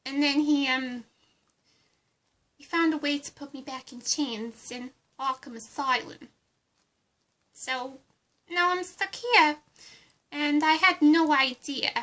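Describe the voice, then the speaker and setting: A woman playing a giddy, childlike clown villainess with a high, girlish voice and cutesy, singsong delivery in an amateur roleplay. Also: slow pace, long pauses, sharp tone, full character voice. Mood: chatty, aggrieved. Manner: cutesy, singsong, pet-name-dropping.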